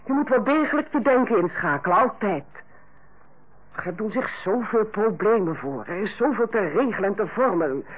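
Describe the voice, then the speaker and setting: Radio drama role: strict, fussy ward sister, high animated delivery, husky edge, dull old recording. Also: female voice, normal speed. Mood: defensive. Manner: bossy, precise, matter-of-fact. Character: strict, fussy senior hospital nurse, Carla, on holiday. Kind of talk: old Dutch radio play acting.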